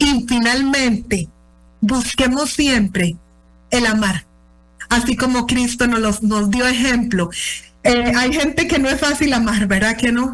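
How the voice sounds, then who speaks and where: A woman's high voice, very slow, with long, frequent pauses, very even loudness and ordinary pitch variation. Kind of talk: seminar talk, sermon-like.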